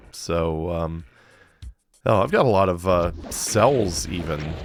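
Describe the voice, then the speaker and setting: A man speaks with music playing in the background. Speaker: video game streamer. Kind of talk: gameplay commentary. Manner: casual, thinking aloud.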